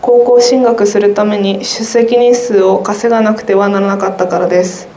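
A woman's voice: medium pitch, little pitch movement, normal speed, dark tone. A teenage girl, a student guest, reading her own essay aloud in a careful, earnest way. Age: teens. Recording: roomy sound with faint noise.

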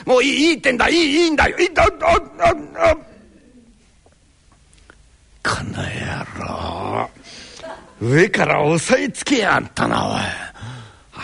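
A man voicing a rough-spoken, grumbling poor tenant in a live rakugo storytelling, with an old Tokyo downtown accent. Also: high voice, pushed and bright, full character voice. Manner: grumbling, rough, quick retorts. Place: live performance hall.

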